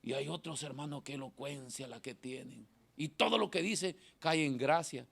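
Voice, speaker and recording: A middle-aged pastor delivers a sermon in a church hall, alternating between shouts and quiet asides. His thin, nasal voice is medium in pitch, creaky and husky, at normal speed.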